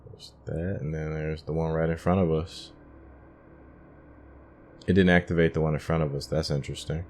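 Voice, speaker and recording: A man's voice: extremely low pitch, little pitch movement, moderate pace, darkish tone, a little hiss or hum. A man giving casual commentary as he plays a video game, musing and thinking aloud as he works things out. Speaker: gamer hosting a playthrough.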